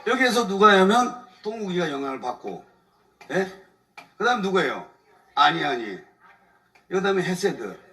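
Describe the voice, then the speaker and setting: Male lawyer at a church testimony, high bright voice, chuckling, casual and aggrieved, picked up by a distant mic. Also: sing-song, normal speed, pauses often. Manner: colloquial, chuckles often, aggrieved storytelling. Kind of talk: animated testimony talk. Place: church evening service before a congregation.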